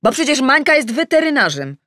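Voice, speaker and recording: A woman's voice: high-pitched, very animated, fairly quick, a bit bright, no echo, clean studio sound, voice pushed up. A woman reading an audiobook, voicing a defensive, flustered middle-aged bride-to-be who bristles and exclaims as she justifies herself. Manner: emotional, exclaiming, self-justifying. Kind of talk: acted audiobook dialogue.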